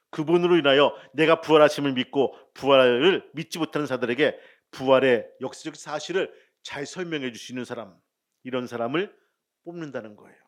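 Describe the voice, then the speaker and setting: A man preaching a sermon as pastor, asking the congregation questions and joking with them, with loud emphasis and quiet asides. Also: medium pitch.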